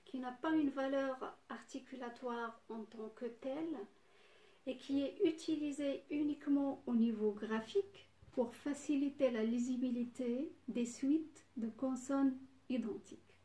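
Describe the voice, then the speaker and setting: A woman lecturing on phonetics, talking slowly and deliberately and pausing to list examples. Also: a little high, dark tone. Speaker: university lecturer. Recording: echoey room.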